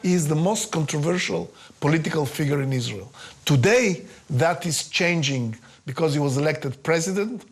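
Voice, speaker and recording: A man's voice: a little high, animated, normal speed, slightly rough. A man giving documentary commentary in an explanatory, matter-of-fact way. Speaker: documentary interviewer.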